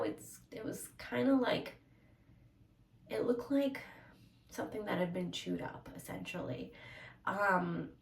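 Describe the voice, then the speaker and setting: A young woman speaks in a personal vlog, her voice stuffy and congested. She talks candidly and hesitantly, with plenty of fillers and a gravelly fry at the ends of phrases. The room sounds echoey, with faint ambience, and she sits a bit back from the mic. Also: lowish voice, distant mic. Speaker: vlogger.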